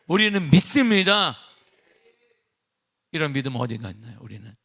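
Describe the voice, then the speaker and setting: Man pastor, middle-aged, forceful bright tone, fairly high voice, emphatic sermon, rhetorical questions. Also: moderate pace. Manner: emphatic preaching with call-and-response questions, turning to a relaxed anecdote. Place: church sanctuary.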